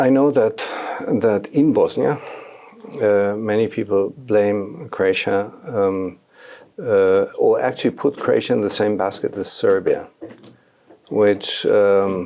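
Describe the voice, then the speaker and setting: With long, frequent pauses, a man speaks at a very slow pace over noticeable background noise. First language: Spanish. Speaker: ambassador. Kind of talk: interview. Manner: halting, many fillers.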